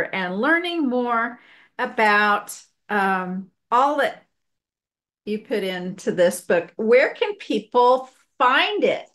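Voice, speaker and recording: A woman's voice: mid-range voice, fairly bright tone. A woman hosting a casual interview over a video call, chatty and enthusiastic, laughing often. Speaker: podcast host.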